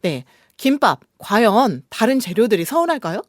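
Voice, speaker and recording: A woman's voice: fairly high pitch, big pitch swings, normal speed, no room sound, studio quality. A woman co-hosting a radio show, reading poems expressively and chatting politely and reflectively about books. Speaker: radio co-host. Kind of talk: scripted poem reading and relaxed book chat.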